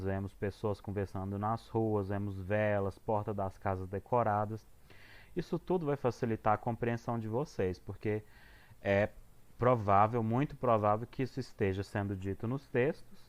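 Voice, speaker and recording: Brazilian male teacher, low voice, chatty and halting explanations for remote students. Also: clean tone. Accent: Brazilian Portuguese. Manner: casual, hesitant, with many fillers and restarts. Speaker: English teacher.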